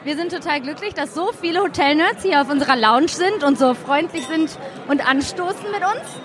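A woman guest at a trade fair lounge speaks in an upbeat, enthusiastic way. Her voice is high, and clear crowd chatter fills the background. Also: expressive, normal speed. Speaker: guest, event host.

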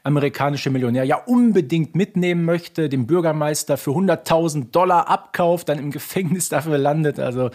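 A man's voice: a little high, a little fast, few pauses, darkish tone. A man co-hosting a fan podcast, chatting casually and explaining things with close attention to detail. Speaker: podcast co-host.

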